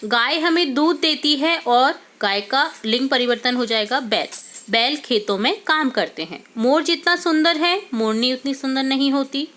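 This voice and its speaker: A woman teacher patiently working through a grammar worksheet step by step, often pausing to check in with her students. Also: high voice, animated, fairly bright tone. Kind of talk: worksheet solution lesson.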